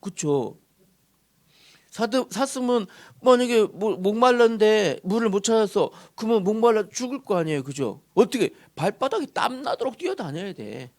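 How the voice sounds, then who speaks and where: A male pastor preaching a sermon in a church, posing questions to the congregation and answering them himself, moving from loud emphasis to soft murmurs. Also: sits high, expressive, moderate pace. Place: church sanctuary.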